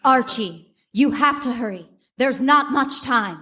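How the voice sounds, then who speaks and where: Rebel assistant, played by a woman: high-pitched, alarmed, skeptical, live radio comedy. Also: animated, unhurried, bright, forceful tone, exaggerated voice. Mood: urgent.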